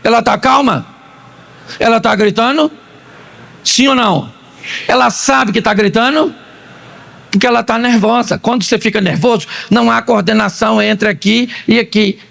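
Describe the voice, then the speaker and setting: A man from Brazil preaching a comedic sermon on marriage, animated and acting out quarrels between spouses. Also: very high voice, moderate pace, gravelly, long pauses. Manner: animated, jokes and acts out quarrels. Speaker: pastor.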